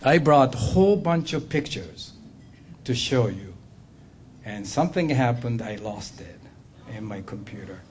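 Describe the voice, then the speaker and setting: An older Japanese man with a Japanese accent gives an earnest business talk as a luncheon guest speaker, laughing often and checking in with the room by asking "okay?" and "right?". His mid-range voice is expressive, a little slow and slightly mellow, with a bit of hiss or hum in the audio.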